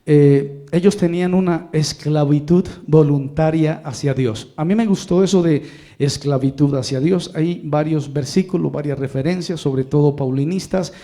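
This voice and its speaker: A Colombian pastor delivers a sermon in a mellow, soft-edged voice that sits a little high for a man. He rambles, then drives his points home by repeating phrases emphatically. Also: normal speed.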